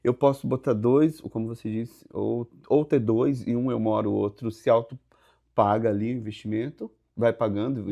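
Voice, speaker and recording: With a lowish, creaky voice and a dark tone, this Brazilian podcast host carries a Brazilian Portuguese accent through a casual interview. He throws out exclamations in reaction and asks his guest hypothetical questions.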